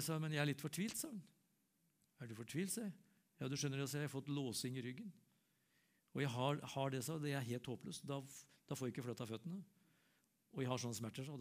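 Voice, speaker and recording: An older man preaches and tells a personal story, acting out the dialogue and dropping to a soft, low voice when quoting prayer.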